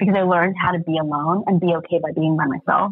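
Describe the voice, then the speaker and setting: Ordinary pitch variation shapes a normal speaking voice. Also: woman. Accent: American. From Maryland, outside Washington DC. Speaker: TV news journalist. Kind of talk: casual interview. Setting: podcast recording.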